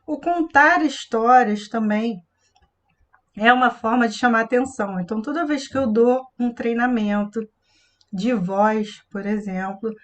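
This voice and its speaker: Woman voice coach, expressive teaching delivery, a touch high-pitched. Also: a little slow. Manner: expressive, demonstrates tones of voice. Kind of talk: live online class.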